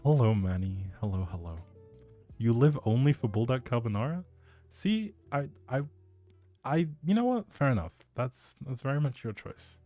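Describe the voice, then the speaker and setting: A man's voice: mid-range voice, sing-song, normal speed, dark tone. A man hosting a livestream, chatting casually with viewers in a rambling, jokey, playful way. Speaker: streamer, host. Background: background music.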